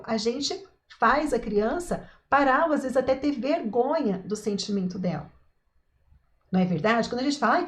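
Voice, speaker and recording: Upbeat woman hosting a parenting live. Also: on the high side. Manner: warm, encouraging, asks the audience questions. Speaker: parenting live-stream host. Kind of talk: live-stream parenting talk, reading viewer comments.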